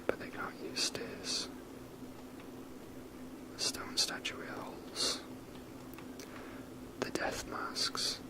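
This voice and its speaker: A video game is being played as someone murmurs unhurried, wandering, casual remarks in a soft, airy ASMR whisper.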